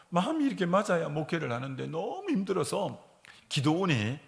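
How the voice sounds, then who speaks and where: A male pastor preaching a sermon, telling a story and swinging between hushed and fervent delivery. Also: a little high, gravelly. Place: church sanctuary. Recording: long reverb of a church sanctuary.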